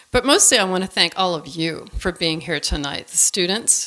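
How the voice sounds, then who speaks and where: A woman talks at a moderate pace in a fairly low pitch. It is a normal speaking voice with ordinary pitch variation. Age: 60s. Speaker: newspaper reporter. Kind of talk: panel remarks.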